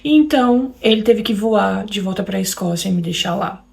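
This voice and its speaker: Gravelly Brazilian woman telling her story. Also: medium pitch, expressive, moderate pace. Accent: Brazilian Portuguese. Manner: emotional, keeps addressing listeners directly. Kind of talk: personal storytelling to an audience.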